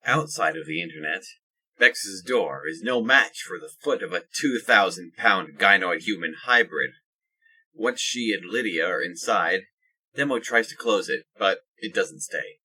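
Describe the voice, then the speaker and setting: A man narrating a scripted audio drama in a husky voice. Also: sits low, a little slow, sharp tone, low-quality recording.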